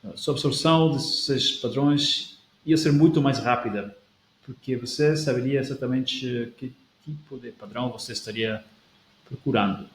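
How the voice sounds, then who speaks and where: A man's voice: mid-range voice, normal speed. A man hosting a language-learning video, talking through a viewer comment in casual talk and thinking aloud with restarts. He speaks Portuguese with a non-native accent that leans European. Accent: non-native speaker of Portuguese, European Portuguese leaning. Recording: echoey room with faint background noise.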